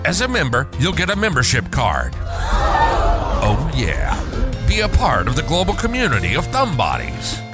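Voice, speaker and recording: A man's voice: wildly swooping pitch, fairly quick, hardly any pauses. Wildly swooping infomercial-style man over music. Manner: exaggerated sales-pitch delivery. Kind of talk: infomercial-style scripted promo. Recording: music bed behind the voice.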